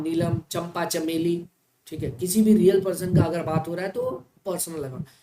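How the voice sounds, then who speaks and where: A woman teaching an accounting class in speech, often asking the class check questions and slowing down to spell out key terms. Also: lowish voice, darkish tone. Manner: stretches out key terms slowly, as if for dictation. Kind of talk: classroom lecture. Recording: echoey classroom with faint noise.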